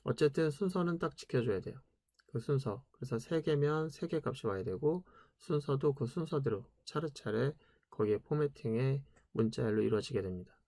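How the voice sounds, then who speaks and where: A man's voice: medium pitch, expressive, normal speed, dark tone, no echo, studio quality. A man giving a casual programming lecture, chatty, asking rhetorical questions and answering them himself.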